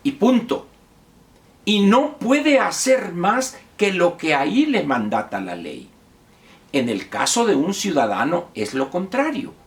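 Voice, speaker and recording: A man's voice: high voice, big pitch swings, takes it slowly. A man with a Mexican accent giving a lecturing monologue of commentary, posing rhetorical questions to the viewer. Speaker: political commentator.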